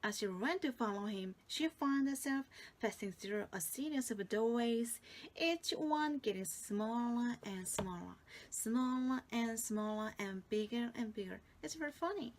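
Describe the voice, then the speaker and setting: A woman's voice: fairly high pitch, lively intonation, measured pace, a little hiss or hum. A woman with a Korean accent, a native Korean speaker, playfully reading a fairy tale aloud and adding asides for learners. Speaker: storytelling teacher.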